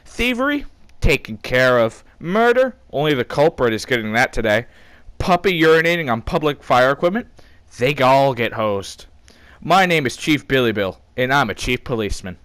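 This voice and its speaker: A man's voice: mid-range voice, very animated, moderate pace, fairly bright tone, smooth, no echo. A man voicing a pompous, clueless police chief who fancies himself a hero, boastful and melodramatic, in a comedic story. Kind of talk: comedic first-person storytelling.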